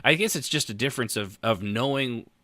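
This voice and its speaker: A man co-hosting a podcast in casual chat, halting and circling back over his words. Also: medium pitch, pushed and bright, dry recording. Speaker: podcast co-host.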